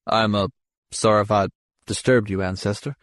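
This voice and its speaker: A man's voice: lowish voice, steady tone, normal speed, a bit bright, dry recording, natural voice. A man acts out a young technician in a science fiction audiobook, worried and deferential. He stammers and hesitates, apologizing as he goes. The sound is dry and close. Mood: apologetic.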